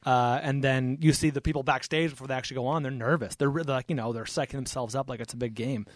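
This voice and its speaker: A man co-hosting a podcast, chatting casually and quickly about films. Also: medium pitch, steady tone, no echo, studio quality. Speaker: podcast co-host. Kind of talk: casual movie recommendation.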